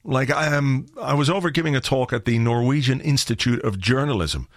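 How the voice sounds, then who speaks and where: An Irish man hosting a podcast, chatting casually in a rambling, wry way with a slightly croaky voice. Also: medium pitch, fairly quick, no echo, studio quality. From Ireland. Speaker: podcast host. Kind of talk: casual solo podcast chat.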